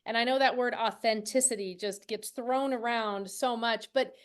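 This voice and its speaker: A woman's voice: fairly high pitch, steady tone, normal speed, smooth. A woman hosting an interview casually, affirming and encouraging her guests as she talks. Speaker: interview host.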